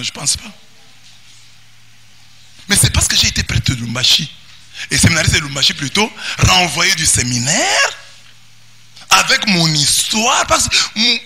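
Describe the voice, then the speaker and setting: A man with a Congolese French accent, a priest giving an animated sermon that often rises to shouts and singsong. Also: high-pitched, breathy edge. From Democratic Republic of the Congo. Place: parish church.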